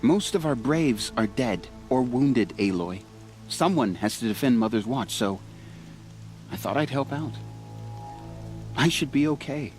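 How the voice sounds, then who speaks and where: An actor playing a humble, earnest young tribal stitcher in a video game, soft-spoken, sincere and a little hesitant. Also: male voice, medium pitch, expressive, measured pace, faint music behind, lightly acted. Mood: relieved, modest. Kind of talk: video game cutscene acting.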